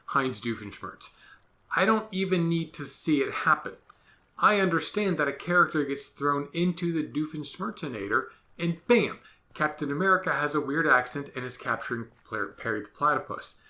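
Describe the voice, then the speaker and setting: Sarcastic ranting man, bright voice. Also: a little high. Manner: sarcastic, exasperated ranting with absurd comparisons. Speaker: podcast host. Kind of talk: solo commentary monologue.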